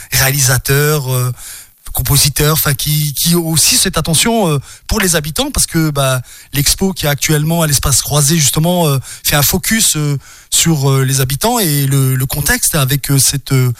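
A man hosting a radio show, hesitant and friendly, full of pauses and restarts, speaking into a studio microphone. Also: on the high side, a bit bright, no echo. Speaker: radio host. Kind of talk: radio interview.

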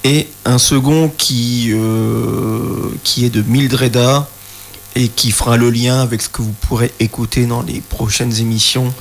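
A man with a gravelly, creaky voice co-hosting a radio show in an eager, chatty way. A faint hum runs under his voice. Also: mid-range voice, steady tone, a little slow. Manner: enthusiastic, repeats words while searching. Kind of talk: casual radio chat.

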